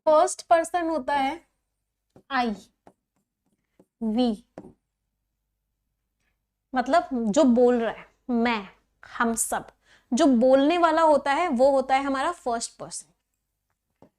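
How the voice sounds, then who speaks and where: High-voiced woman teaching grammar. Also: takes it slowly, long pauses, darkish tone. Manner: explains step by step, repeats key points, asks the class questions. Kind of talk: classroom grammar lesson.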